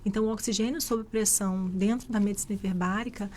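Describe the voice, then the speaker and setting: A woman speaks at a mid pitch as a physician guest on a radio show. She explains things steadily and conversationally, in a radio studio. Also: steady tone, fast talker, darkish tone. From Rio de Janeiro, Brazil. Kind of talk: radio interview answers.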